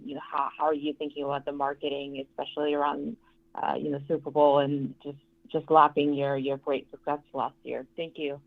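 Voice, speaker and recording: Female analyst, very low pitch, flat intonation, earnings call question, tinny phone audio. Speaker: financial analyst asking questions. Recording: tinny telephone line.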